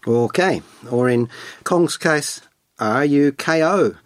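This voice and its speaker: A man's voice: fairly high pitch, animated, slow pace, no echo. A man hosting a radio show, reading scripted film and music commentary in a playful, wordy, colloquial way.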